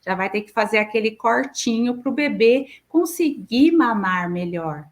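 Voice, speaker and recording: A woman's voice: fairly high pitch, animated, measured pace. A middle-aged Brazilian woman, a speech therapist, explaining patiently in an interview and giving examples.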